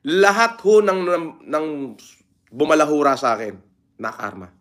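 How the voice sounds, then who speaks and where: A man's voice: a little high, sing-song, moderate pace, fairly bright tone. Blunt rambling man livestreaming. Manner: blunt, rambling, swears openly. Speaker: livestream vlogger. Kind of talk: casual livestream talk reading viewer comments.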